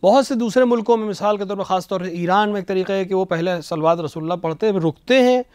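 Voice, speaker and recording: A man, a religious scholar on a studio TV show, explaining patiently and slowly reciting phrases to show the right pronunciation. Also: high voice, darkish tone, clean tone, dry recording. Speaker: religious scholar answering questions. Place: television studio.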